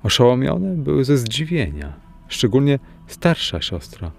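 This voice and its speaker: A man narrating a first-person story as an audiobook, in a measured storytelling manner. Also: mid-range voice, very animated, gravelly, soft background music. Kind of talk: audiobook reading.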